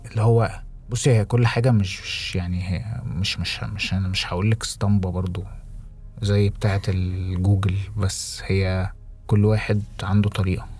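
Low-voiced Egyptian man musing on a podcast. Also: level tone, a little mellow, slightly rough. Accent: Egyptian Arabic. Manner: reflective, halting, many restarts and English phrases. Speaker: podcast co-host. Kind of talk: casual podcast conversation.

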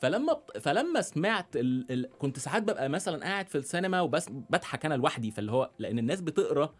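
A man from Egypt with a Cairene Egyptian Arabic accent, a journalist guest on an interview podcast who pauses and restarts as he thinks. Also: on the high side, very animated. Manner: thoughtful, many hesitations and restarts. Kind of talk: conversational interview. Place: radio studio.

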